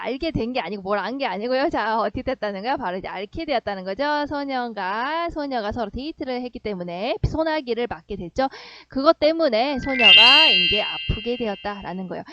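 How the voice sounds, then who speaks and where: A woman's voice: a little high, pushed and bright, muffled recording, a little hiss or hum. A woman teaching a middle school Korean literature lesson online. She asks her students questions, answers them herself, and acts out the quoted lines. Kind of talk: online lesson explaining a story.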